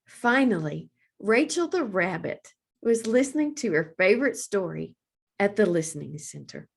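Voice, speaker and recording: A woman reading aloud for young children as a librarian, with deliberate, expressive phrasing. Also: mid-range voice, gravelly, husky.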